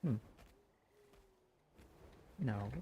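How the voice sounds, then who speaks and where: A man giving casual gameplay commentary as a streamer, rambling and thinking aloud in a halting way. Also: dull audio. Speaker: video game streamer.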